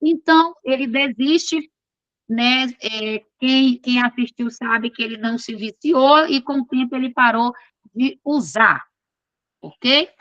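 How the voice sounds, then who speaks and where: Bright, high-voiced woman teaching. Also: slow, no echo, lo-fi sound. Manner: chatty and informal, with frequent checks on the students. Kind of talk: online class lecture.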